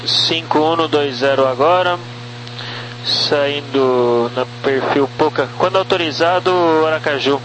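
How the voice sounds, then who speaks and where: A man's voice: fairly high pitch, measured pace, a bit bright. A Brazilian man, a pilot, giving short readbacks and position reports over aviation radio. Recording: faintly noisy cockpit radio transmission.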